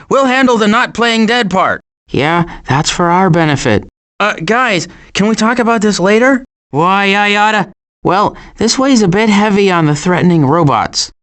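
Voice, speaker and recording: Fretful, wry cartoon turtle. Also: male voice, high-pitched. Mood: grumbling, wary. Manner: wry, fretful, deadpan sarcasm with stammers. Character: cautious, anxious, grumbling adult male cartoon turtle. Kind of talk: animated video game character lines.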